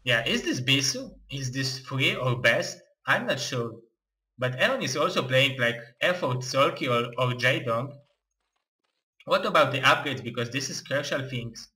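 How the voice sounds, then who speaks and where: A young man with an Eastern European accent, giving live play-by-play game commentary in halting, excitable non-native English. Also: mid-range voice, rough recording. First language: not English.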